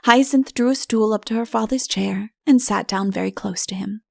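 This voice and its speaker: A woman narrating a fairy-tale audiobook in an expressive storytelling style. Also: medium pitch, moderate pace, vocal fry, no echo, studio quality.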